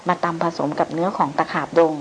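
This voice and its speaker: A woman voicing a wild young male jungle tracker who speaks flatly in a low murmur. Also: quick pace, a little hiss or hum, lightly acted, rough recording. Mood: deadpan. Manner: flat, low-murmured speech.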